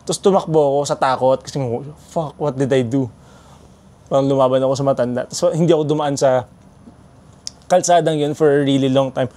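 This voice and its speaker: A man, telling a story in an animated, chatty vlog that mixes in English. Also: medium pitch. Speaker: vlogger.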